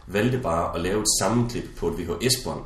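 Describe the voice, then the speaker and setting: A man chatting casually as a podcast co-host, a lively storyteller. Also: sits low, far from the mic. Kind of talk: casual chat. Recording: echoey room.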